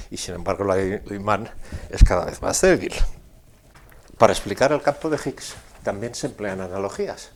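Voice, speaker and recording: A man with a fairly low voice lectures on science at a board. He goes through each step deliberately, in a didactic way, and sets up his points with rhetorical questions. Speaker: physics lecturer explaining at a board.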